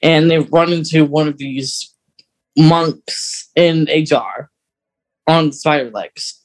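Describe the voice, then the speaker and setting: Man podcaster with a higher voice. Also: takes it slowly, poor audio. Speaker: podcast host. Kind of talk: casual chat discussing a story.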